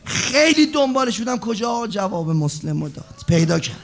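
A man preaching a religious mourning sermon. He swings between shouting and hushed, low tones, and chants prayers very slowly. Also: very animated, gravelly, faint music behind.

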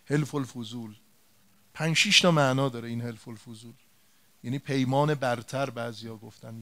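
Preaching in a mid-range voice, a man retells an old story in a colloquial way during a sermon. Direct rhetorical questions to his listeners and emphatic repetition mark his delivery.

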